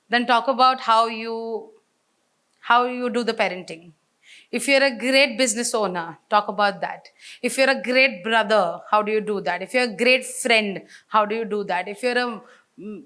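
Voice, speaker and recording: Indian lady giving a seminar talk, kinda high voice, keeps quizzing the crowd. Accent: Indian English. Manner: energetic, asks the audience questions. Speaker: business speaker. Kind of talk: live seminar talk to an audience. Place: seminar hall with audience.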